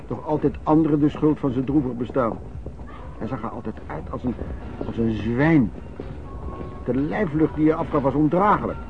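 An actor playing an old vagrant in a radio drama, reminiscing in a colloquial, halting way and repeating words. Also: male voice, medium pitch, lightly acted. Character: old vagrant recalling wartime lodging-house life, earthy storyteller. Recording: muffled old radio recording, background noise.

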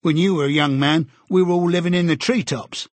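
A man's voice: a little high, steady tone, fairly quick, dry recording, pitched above the performer's own voice, natural voice. A man voicing a brusque middle-aged barman in an audiobook, giving short, dismissive retorts. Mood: curt. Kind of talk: audiobook character voice.

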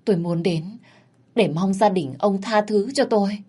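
A woman's voice: normal speed, warm tone, slightly rough, lightly acted. A woman voicing a scheming middle-aged mother-in-law who wails and pleads her innocence in a tearful, wheedling voice. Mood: wailing apology. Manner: tearful, wheedling, higher pitch.

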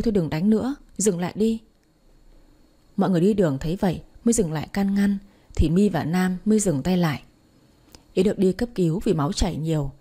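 A woman narrating a family drama story in a steady voice, hosting her own storytelling channel. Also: lowish voice, slightly rough.

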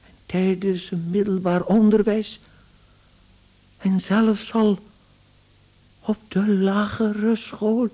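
A husky, slow, anguished man-turned-beetle. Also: high voice, little pitch movement, warm tone. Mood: wistful, hurt. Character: young salesman turned beetle, anguished, wounded, brooding. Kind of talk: radio play acting.

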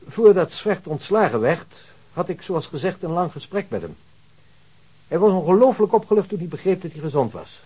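An actor playing a self-assured hospital doctor in a Dutch radio drama, explaining things in a measured, pedantic way. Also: male voice, mid-range voice, a little mellow, husky. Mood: confiding, reflective.

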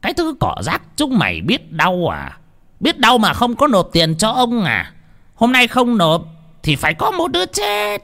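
A man's voice: high voice, huge pitch swings, takes it slowly, vocal fry, fairly bright tone, voice pushed up, exaggerated voice. A man doing a sneering, cruel village chief. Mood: menacing scorn. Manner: barking, contemptuous. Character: cruel greedy older male village chief.

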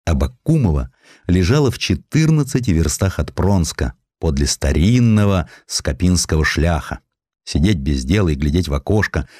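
A man narrating historical essays from a script in an expressive storytelling way, with ironic, conversational asides. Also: deep voice, breathy edge, no room sound, studio quality. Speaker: audiobook narrator. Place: studio.

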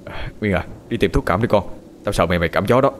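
A man voicing a worried middle-aged husband and father who gives gruff, urgent instructions in a horror audiobook. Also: on the low side, fast talker, a little hiss or hum, close to an everyday voice.

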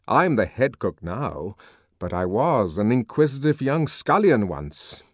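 A man voicing a powerful older controller who lectures in a measured, sardonic way. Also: medium pitch, very animated, no echo, studio quality, voice pushed up.

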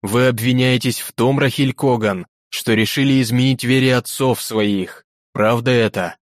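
A man's voice: medium pitch, fairly even intonation, moderate pace, no room sound, natural voice. Male reader as a stern old chairman of a tribunal, solemn and thundering, dry close recording.

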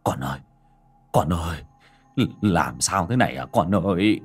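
A frightened old countryman, played by a male storyteller. He speaks low and hushed, his husky voice trembling, over faint background music. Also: animated, a little slow, full character voice. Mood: panicked. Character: terrified old village father.

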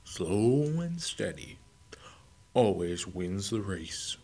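A man voicing a slow, laid-back male tortoise who drawls his words. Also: fairly low pitch, creaky. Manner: drawling, unhurried, whispery.

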